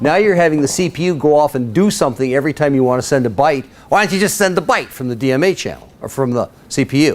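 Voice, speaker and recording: A man talks at a very fast pace with a fairly high pitch and lively intonation. Noticeable background noise runs underneath. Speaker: university lecturer. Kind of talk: lecture.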